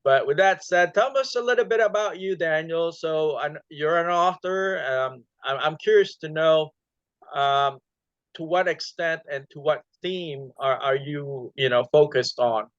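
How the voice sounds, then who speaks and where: A man's voice: fairly high pitch, a little slow, a bit bright, no room sound. A man hosting a podcast, asking questions in a chatty way and filling his speech with "you know". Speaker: podcast host. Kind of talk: podcast interview. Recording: dry, dull lo-fi sound.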